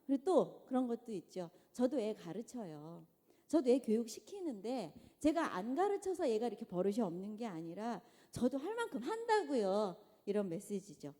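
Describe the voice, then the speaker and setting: Woman, middle-aged, church lecturer, animated, mellow voice, high-ish pitch, long hall reverb. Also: normal speed. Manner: animated, asks the audience questions. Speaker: guest lecturer. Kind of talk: conversational church lecture to mothers.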